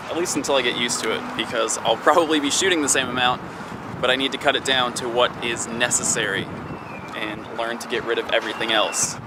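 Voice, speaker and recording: A man hosting his own vlog, talking casually and rambling to the camera with self-aware asides. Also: medium pitch. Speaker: vlogger and channel host. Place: in stores and a car, noisy surroundings. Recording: noisy background with ambience.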